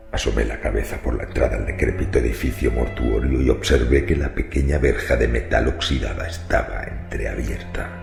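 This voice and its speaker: A man playing a macabre, brooding cemetery wanderer who confides morbid secrets in a theatrical horror radio monologue. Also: exaggerated voice. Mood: suspenseful, hushed. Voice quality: very deep, gravelly creaking voice. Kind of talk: dramatic first-person horror radio monologue. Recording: roomy reverberant voice over music. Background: faint music.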